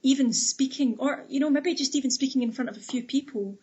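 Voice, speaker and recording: A woman's voice: sits high, a little fast, a little mellow, breathy edge, highs cut off. A woman interviewing a guest, asking long, chatty questions. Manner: chatty, conversational, rambling questions.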